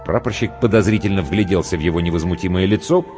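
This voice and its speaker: A man narrating an audiobook in an animated, varied way. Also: sits low, quick pace. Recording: long reverb with faint music.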